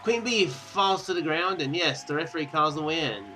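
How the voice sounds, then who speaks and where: A man giving casual, animated game commentary, with joking asides and bits of dialogue read aloud. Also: fairly high pitch, normal speed, a little hiss or hum, rough recording. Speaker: gaming video host. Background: game music.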